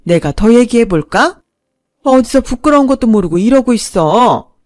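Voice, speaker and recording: Casual: woman playing a no-nonsense older lady telling someone off, a bit higher and louder, dry sound. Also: expressive, normal speed, dry recording, faint music behind, lightly acted. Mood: scolding. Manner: sharp, scolding. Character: blunt middle-aged woman scolding a troublemaker.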